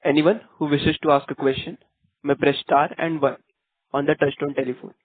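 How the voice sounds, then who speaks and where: Dry phone-line male call operator, higher-pitched. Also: flat delivery, normal speed, no room sound. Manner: formal, procedural. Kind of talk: scripted call instructions.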